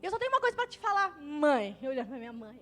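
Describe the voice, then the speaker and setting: A young adult woman, pregnant, preaching in a church, moving from hushed storytelling to loud fervent preaching. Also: high-pitched, very animated, racing, faint music behind. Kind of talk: testimony sermon.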